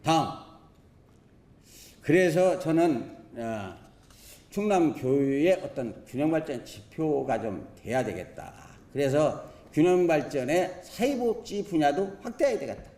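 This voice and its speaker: A man's voice: on the high side, lively intonation, measured pace, dark tone. A man, a provincial council member delivering a questioning speech at a podium microphone, emphatic and fond of rhetorical questions and folksy sayings. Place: council assembly chamber. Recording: roomy chamber echo.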